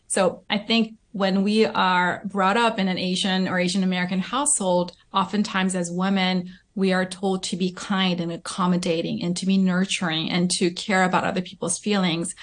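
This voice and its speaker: Reflective woman coach, lowish voice. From Southern California. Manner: reflective, frequent "right?" tags and fillers. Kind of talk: interview answers.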